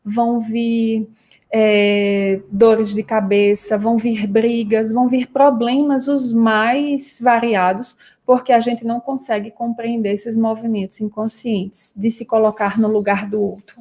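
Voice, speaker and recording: Calm Brazilian woman explaining slowly. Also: on the high side. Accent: Brazilian Portuguese. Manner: calm, measured, explains with everyday examples. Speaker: psychoanalyst hosting a live talk. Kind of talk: explanatory live talk.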